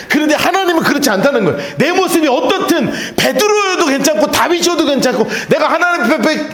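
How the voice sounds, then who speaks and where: Lively, high-voiced male pastor preaching. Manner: animated, swings between loud emphasis and hushed storytelling; asks the congregation to repeat phrases. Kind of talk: sermon. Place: church sanctuary. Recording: echoey church sanctuary.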